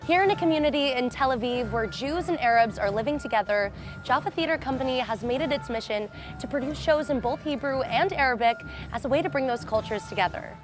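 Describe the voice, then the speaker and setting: High-voiced woman reporter. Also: a little fast, over music. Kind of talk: reporter stand-up and narration.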